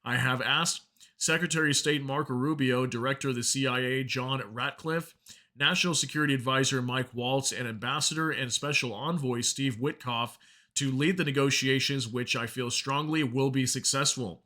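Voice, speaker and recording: A man with a bright, forceful voice at a medium pitch hosts a news commentary. He explains reports informally and reads statements aloud, talking directly to his viewers. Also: steady tone, moderate pace. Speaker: news commentary channel host.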